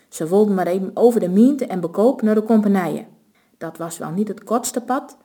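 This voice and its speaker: A woman with a Low reading a story aloud in a steady, even narrating voice. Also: breathy edge.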